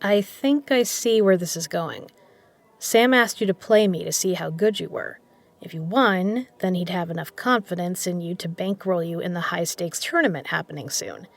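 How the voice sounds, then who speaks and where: A woman's voice: on the low side, normal speed. Woman playing a shrewd, businesslike poker legend. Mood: probing, knowing. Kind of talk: scripted audio drama dialogue.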